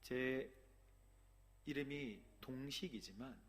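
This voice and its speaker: A man's voice: mid-range voice, slow pace. Korean man preaching a sermon. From Gyeongsangnam-do, South Korea. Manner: earnest preaching, asks the congregation questions. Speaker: pastor.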